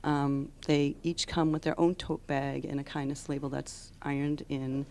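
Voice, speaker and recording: A woman giving unscripted interview answers as a charity founder, explaining earnestly and haltingly. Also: low voice, flat delivery, mellow. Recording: on-location audio with background noise.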